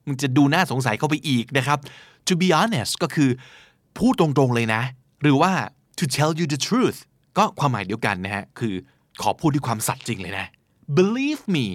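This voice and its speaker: A male podcast host with a medium-pitched voice explains English words casually at a moderate pace, with no echo. He's lively, acting out playful examples to teach each word.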